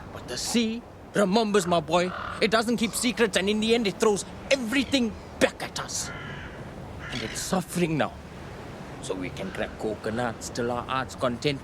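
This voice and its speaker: A man's voice: high-pitched, noisy background. An actor playing a bitter, world-weary older fisherman father, grumbling and swearing in a radio play. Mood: bitter, indignant. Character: bitter older Indian fisherman father lecturing his son.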